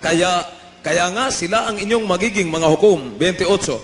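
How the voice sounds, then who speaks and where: A Filipino man with a Filipino accent, reading a Bible passage aloud in a steady, formal way during a church service. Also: high voice, a little slow. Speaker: scripture reader. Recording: roomy church echo, faint noise.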